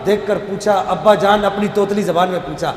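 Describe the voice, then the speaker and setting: High-voiced preacher in an echoey hall. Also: male voice, fairly even intonation, slight background noise. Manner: dramatic, swelling to tearful shouts. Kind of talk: impassioned sermon storytelling.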